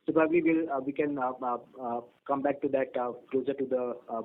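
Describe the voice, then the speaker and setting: A man with an Indian accent answering questions as a company executive on an earnings call, in a measured, hesitant, formal manner. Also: mid-range voice, steady tone. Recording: narrow tinny conference phone line.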